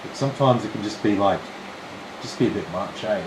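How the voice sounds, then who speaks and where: A man with an Australian accent, slightly hoarse, casually talking viewers through a computer build on a live stream. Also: lowish voice, a little fast. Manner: relaxed, chatty, explains steps plainly. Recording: roomy with steady air-conditioning hum.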